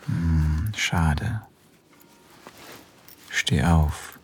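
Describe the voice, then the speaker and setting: A commanding male lover in an audio drama, with a strikingly deep voice that murmurs and whispers its orders. He takes his time over every word. A faint hiss sits under the recording. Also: extremely slow, exaggerated voice. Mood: playful. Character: dominant male lover, an adult professor. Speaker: voice actor in an erotic audio drama. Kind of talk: intimate audio drama acting.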